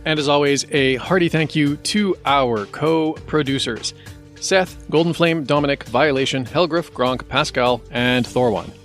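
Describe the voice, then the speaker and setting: A man's voice: fairly high pitch, a little slow, fairly bright tone, faint music behind. A man hosting a podcast, reading out a scripted announcement. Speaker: podcast host.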